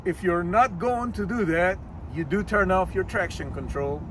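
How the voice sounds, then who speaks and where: A man's voice: high voice, normal speed, fairly bright tone, slight background noise. An older man, a mechanic, explaining car features step by step in a plain, methodical way, with small slips. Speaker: master diagnostic technician. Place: outdoors in a dealership parking lot, then inside a car.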